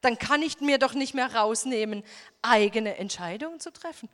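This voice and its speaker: A woman preaches with earnest emphasis and keeps filling pauses with a soft "ja." Her voice sits somewhat high. A long hall reverb trails every phrase, as if she were recorded in a large church room. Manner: earnest, emphatic, many "ja" fillers. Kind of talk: sermon with personal testimony.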